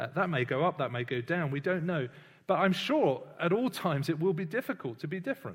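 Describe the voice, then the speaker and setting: In a British accent, a somewhat breathy voice speaks with lively intonation. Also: man. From Britain. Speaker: preacher. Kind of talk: sermon.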